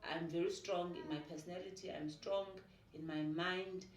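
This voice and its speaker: A woman in her forties with a South African Xhosa accent talks in a low voice, with a lively, animated delivery that mixes Xhosa and English. She is recorded from a little distance in an echoey room. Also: normal speed. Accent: South African, Xhosa-speaking. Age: 40s. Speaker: podcast guest. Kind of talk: casual conversational interview.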